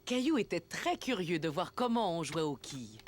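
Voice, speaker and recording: A woman narrating a children's cartoon as a gentle storyteller, reading a scripted tale. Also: lowish voice, sing-song, normal speed. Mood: gentle storytelling. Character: gentle storybook narrator of a small boy's day.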